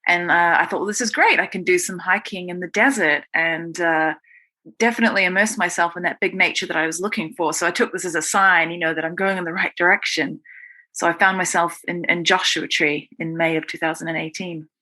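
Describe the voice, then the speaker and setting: A woman's voice: on the low side, steady tone, a little fast, bright, forceful tone. A woman with a New Zealand accent, telling her own story conversationally as an interview guest. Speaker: guest, writer.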